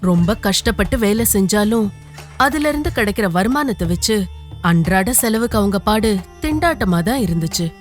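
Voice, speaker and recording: A woman reading a scripted children's folktale as an expressive storyteller. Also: mid-range voice, moderate pace. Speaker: storyteller, narrator. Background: music.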